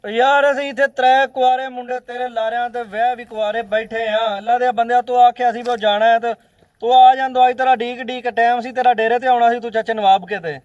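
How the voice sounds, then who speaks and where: A man with a Pakistani Punjabi accent playing a bossy, impatient village man in an amateur drama, loudly talking over the others. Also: very high-pitched, flat delivery, fairly quick, no room sound, lo-fi sound. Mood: insistent.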